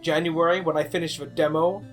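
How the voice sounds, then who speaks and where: Higher-voiced man, casual personal narration over music. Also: steady tone, brisk. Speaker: indie game developer and video creator.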